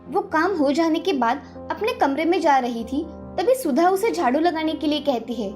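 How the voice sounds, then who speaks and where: Woman narrator, high voice, storybook reading, steady, faint music behind.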